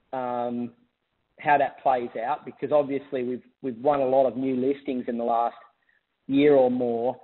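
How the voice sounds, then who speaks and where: A man calls in as an investor, putting questions conversationally on an earnings call. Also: mid-range voice. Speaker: investor caller. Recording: narrow, tinny phone line.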